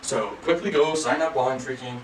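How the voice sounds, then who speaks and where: A man giving a casual, energetic online marketing tutorial, salesy and loose, often saying freaking. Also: medium pitch, moderate pace. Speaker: online course creator. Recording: echoey room, mic at a distance, faint ambient noise.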